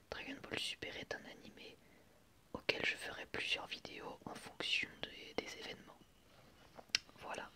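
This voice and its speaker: Homme qui chuchote en ASMR. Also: male voice, high-pitched. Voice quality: soft unvoiced whisper. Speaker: host of an anime ASMR channel. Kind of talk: whispered ASMR commentary.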